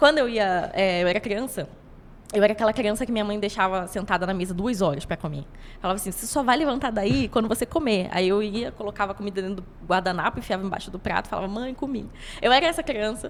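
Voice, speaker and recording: With a Rio de Janeiro accent, the speaker rattles along at a very fast pace with lively intonation. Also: woman, medium pitch for a woman. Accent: Rio de Janeiro (carioca). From Rio de Janeiro state, Brazil (São Gonçalo). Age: 20s. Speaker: pediatric nutritionist. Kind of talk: podcast interview.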